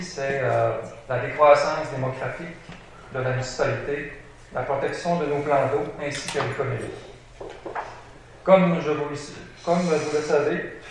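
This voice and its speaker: A retired man in his sixties with a Quebec French accent presents himself as a council candidate, formal and hesitant, pausing on fillers. He is heard from a distance in a very echoey room. A steady noise runs underneath. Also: on the high side. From Saguenay, Quebec. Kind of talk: prepared self-introduction.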